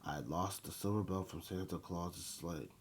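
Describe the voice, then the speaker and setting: A man reading a children's Christmas story aloud in a halting way, stumbling and repeating phrases, with a husky voice. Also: sits low, a little hiss or hum.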